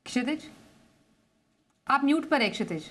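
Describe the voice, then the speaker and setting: A woman anchoring a business news interview, asking questions with frequent pauses and restarts. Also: sits high, lively intonation, a bit bright. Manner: hesitant, many fillers and restarts.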